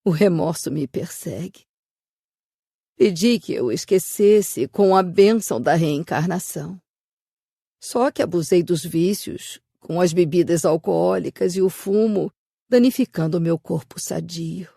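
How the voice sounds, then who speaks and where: A woman voicing a remorseful spirit burdened by past vices, with a husky, creaky voice, in a dramatized audiobook. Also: on the low side, a little slow, dark tone, no echo, studio quality, exaggerated voice. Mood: remorseful, resigned.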